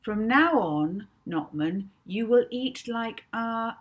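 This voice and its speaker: A woman's voice: a little high, animated, slow pace, pitched above the performer's own voice. A woman voicing a bossy girl with a blunt, scornful way of speaking. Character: bossy, sharp-tongued girl.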